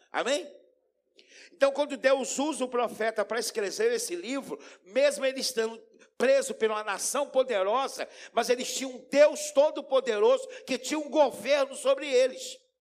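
With an extremely high pitch, ordinary pitch variation and big swings in loudness, a man talks at a moderate pace. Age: 50s. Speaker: pastor. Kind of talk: sermon.

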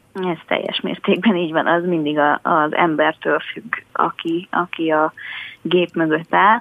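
A woman talks in a normal speaking voice with a fairly low pitch. Her intonation stays fairly even. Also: fairly slow pace. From Budapest, Hungary. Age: 30s. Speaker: photojournalist. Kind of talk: radio interview.

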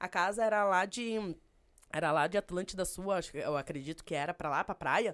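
A woman with a plain, everyday voice, medium-pitched with ordinary pitch variation, fairly quick, on a very clean recording with a silent background. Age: 30s. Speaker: festival organizer. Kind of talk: casual chat.

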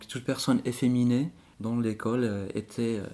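Very slowly, a man speaks in a dark, mellow, medium-pitched monotone with flat intonation. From Morocco (Rabat). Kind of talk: testimony. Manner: halting.

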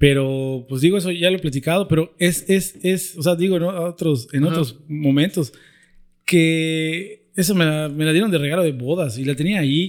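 A man's fairly high voice with a Yucatecan accent, ordinary pitch variation and a moderate pace, in a very clean recording with a silent background. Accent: Yucatecan Mexican Spanish. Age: 30s. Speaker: chef and social media content creator. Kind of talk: casual interview chat. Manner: colloquial, casual.

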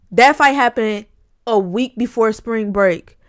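A woman with a plain, everyday voice speaks in an American accent at a medium pitch and moderate pace. Her pitch variation is ordinary, and the recording is very clean with a silent background. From Wisconsin, US Midwest. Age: 20s. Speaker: podcast guest, host's sister. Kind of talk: casual chat.

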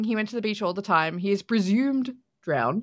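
A woman speaks with an Australian accent. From Western Sydney.

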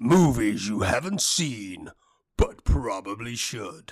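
A put-on character voice with a dramatic tone and a fairly slow pace. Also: man, medium pitch for a man. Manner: dramatic trailer delivery.

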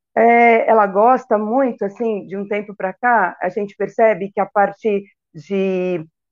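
At a fairly slow pace, a woman speaks with fairly even intonation and a medium pitch. Hers is a plain, everyday voice. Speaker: biology teacher. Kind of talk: educational interview. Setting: live stream.

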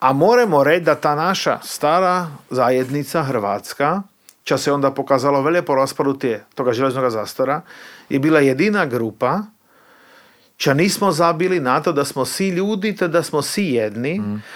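A man with a normal speaking voice and a fairly high pitch uses lively intonation at a moderate pace. The recording is very clean, with a silent background. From Slovakia, Croatian village near Bratislava. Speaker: cultural activist and choir leader. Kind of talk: interview.

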